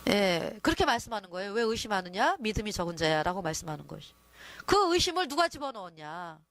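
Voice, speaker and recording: A woman's voice: mid-range voice, sing-song, fast talker, fairly bright tone. A woman preaching a sermon in a conversational way, often asking the listeners to agree with her.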